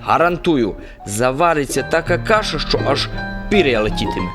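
An actor playing a good-natured, simple-minded soldier who rambles naively and confidently in a radio play. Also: male voice, mid-range voice, animated, normal speed, close to an everyday voice. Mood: confident, excited. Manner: rambling, naive tavern philosophizing with confident pronouncements. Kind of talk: radio play character acting. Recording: music under the voice.

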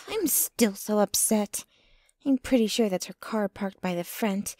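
A woman's voice: medium pitch, a little slow, darkish tone, no echo, studio quality, lightly acted. A woman playing a jealous, possessive, doting young girlfriend in an intimate, dramatic ASMR roleplay. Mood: upset, scheming. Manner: intimate, dramatic, swinging between ranting and breathy murmuring.

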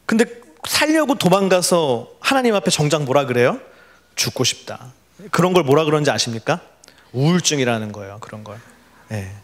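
A man's voice: a little high, a little fast. A young adult man preaching a sermon to college students, telling stories with animation and having the congregation repeat words after him. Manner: animated storytelling, leads the congregation in call-and-response. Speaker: pastor.

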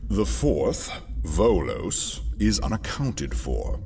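An actor playing a calculating Imperial conspirator chairing a meeting, dry and deliberate, in an audio drama. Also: male voice, deep voice, big pitch swings, creaky, a little mellow, slight background noise, full character voice. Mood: ominous, measured. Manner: deliberate, dry, theatrical pauses.

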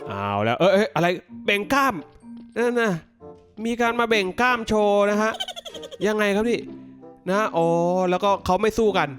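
High-pitched, excitable man commenting on a game. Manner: exclamatory, reacting aloud to the action. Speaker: gaming video host.

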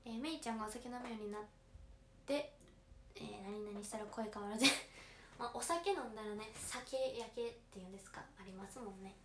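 A late-teen girl with a Kansai Japanese accent, an idol audition candidate, chats casually on a livestream, reading fans' comments aloud and answering them politely. Her voice is on the high side and fairly quick, in a roomy recording with faint background noise.

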